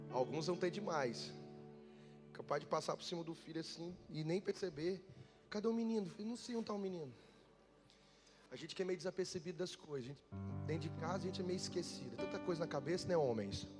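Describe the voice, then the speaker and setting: A pastor preaches in a loose, joking tone and keeps turning to his congregation with questions. His voice sits a little high for a man. Instrumental music plays clearly behind him in the church. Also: fairly quick. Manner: conversational and humorous, often asking the congregation questions. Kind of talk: sermon.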